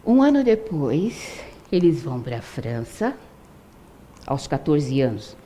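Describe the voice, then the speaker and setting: Warm older woman telling a story. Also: deep voice, big pitch swings, slow, a little hiss or hum. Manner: conversational, frequent tag questions. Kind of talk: oral storytelling to an audience.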